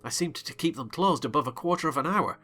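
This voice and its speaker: A man reading a novel aloud as a dramatized audiobook, theatrical and quick to rise into excited shouts. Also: on the high side, faint music behind. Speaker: narrator.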